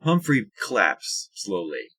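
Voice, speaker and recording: A man narrating a scripted audio drama in a husky voice. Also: fairly low pitch, big pitch swings, slow pace, bright, forceful tone.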